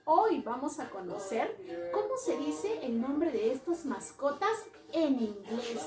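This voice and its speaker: A woman teaching young children at a slow, clear pace, in a sing-song, coaxing way with many checking questions. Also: high voice. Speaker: preschool teacher. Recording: roomy and distant, music behind.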